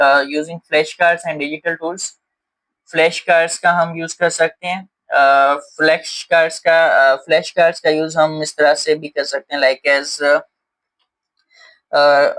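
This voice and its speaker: A man's voice: fairly high pitch, a bit bright, low-quality recording. A man teaching a lesson, explaining step by step in a patient way with frequent fillers. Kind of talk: explaining lesson in Hindi-English mix.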